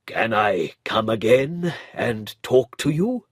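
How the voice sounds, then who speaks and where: A man's voice: mid-range voice, very animated, takes it slowly, breathy edge, no echo, clean studio sound, heavily acted. A man voicing a weary old male nobleman in a storybook reading, tired and subdued.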